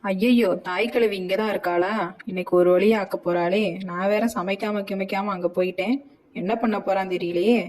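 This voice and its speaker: A woman's voice: mid-range voice, fairly even intonation, fairly quick, darkish tone, lightly acted, rough recording. A woman voicing a young mother in a cartoon, polite and apologetic toward her mother-in-law.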